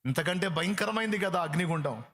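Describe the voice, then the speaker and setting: Higher-voiced man preaching a fervent sermon. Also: expressive, fairly quick, fairly bright tone. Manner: emphatic, repeats phrases, rhetorical questions. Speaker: pastor.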